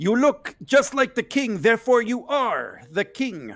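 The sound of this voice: A man puts on a croaky character voice at an extremely high pitch. He talks at a fairly slow pace.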